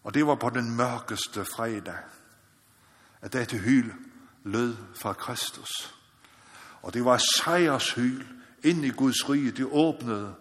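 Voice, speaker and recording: A man's voice: mid-range voice, long pauses. Earnest preacher man in a reverberant hall. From Faroe Islands. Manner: earnest, repeats "ikke også?", rises to loud exhortation. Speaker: missionary preacher. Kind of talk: sermon. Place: church or meeting hall.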